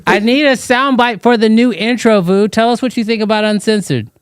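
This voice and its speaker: Casting: male co-host, high bouncy voice, dry close sound, teasing banter. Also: brisk, smooth, no room sound. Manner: playful teasing, calls people bro. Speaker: live stream co-host. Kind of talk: casual banter.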